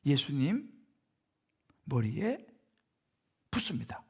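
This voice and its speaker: A man's voice: a little high, wildly swooping pitch, slow, darkish tone, slightly rough. A middle-aged male pastor preaching a sermon in a church, speaking conversationally and often turning to the congregation with rhetorical questions. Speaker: senior pastor. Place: church sanctuary.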